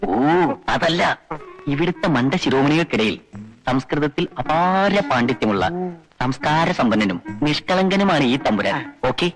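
Pompous scheming nobleman, comedy film, played by a man, high voice, quick coaxing delivery over faint music. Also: animated, close to an everyday voice, rough recording.

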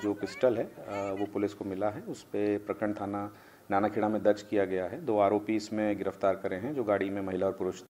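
A man in his thirties, a police officer, gives a formal, halting press statement with hesitant pauses into desk microphones in an office. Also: fairly low pitch, level tone, darkish tone. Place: indoor office. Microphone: cluster of press microphones on desk.

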